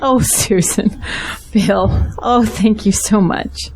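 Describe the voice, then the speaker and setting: A woman's voice: medium pitch, slow pace, darkish tone, a little hiss or hum. A woman acting a distressed, grateful pastor's wife in a Christian audio drama. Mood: touched, grateful. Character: distressed, grateful pastor's wife fearing for her jailed husband.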